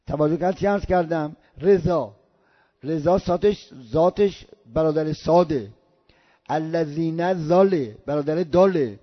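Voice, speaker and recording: Older man teaching prayer, muffled recording. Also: fairly high pitch. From Iran. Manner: slow drawn-out recitation of Arabic sounds. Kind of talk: religious lesson.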